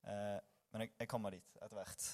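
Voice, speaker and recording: A man's voice: on the low side, steady tone, a little mellow. A tired young man giving an informal sermon in a church hall, joking with the congregation and reading scripture aloud. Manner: self-deprecating, joking, chatty with the congregation. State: tired after little sleep. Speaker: preacher.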